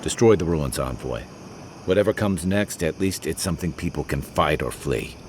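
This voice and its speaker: Game companion: grim, weary fighter, very low voice, measured, faint noise behind. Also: male voice, animated, a little mellow. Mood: grim resolve. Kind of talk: video game character acting.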